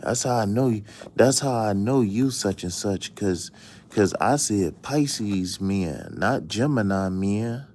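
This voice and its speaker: A man's voice: fairly low pitch, animated, slow pace, a little mellow, slight background noise. A man streaming a casual chat as a tarot reader, telling stories with jokes and plenty of profane slang. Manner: joking, storytelling, profane slang.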